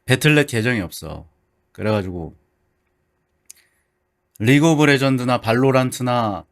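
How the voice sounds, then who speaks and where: Male streamer, casual and chatty, mid pitch with lively, wide-swinging intonation. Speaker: livestreamer, VTuber. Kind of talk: casual livestream chat with viewers.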